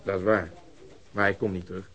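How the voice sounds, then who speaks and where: Sceptical male detective: blunt, curt, lowish voice, dull lo-fi radio drama sound. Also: flat delivery, fairly quick, a bit bright, slightly rough. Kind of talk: Dutch radio drama dialogue. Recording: dull, lo-fi archived radio recording.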